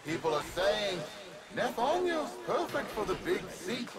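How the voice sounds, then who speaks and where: A man's voice: high voice, sing-song, a little slow, crowd noise, full character voice. A man playing a pompous, vain, theatrical corporate magnate in a video game, speaking in grandiose oratory. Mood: grandiose speech. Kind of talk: video game villain acting.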